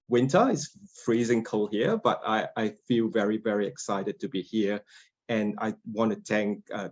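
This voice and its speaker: A man from Malaysia, a university lecturer, giving a polite, measured presentation from slides. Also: lowish voice, darkish tone. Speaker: guest lecturer. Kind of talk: presentation over a webinar. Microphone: video call. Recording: dull lo-fi video call audio.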